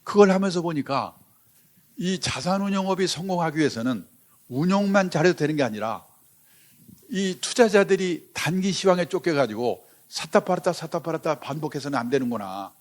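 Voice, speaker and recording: A man's voice: a little high, expressive, fairly quick. A man in his seventies giving a public finance lecture, telling stories in a conversational way with frequent asides. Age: 70s. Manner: anecdotal, conversational storytelling with asides. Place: lecture hall before a live audience.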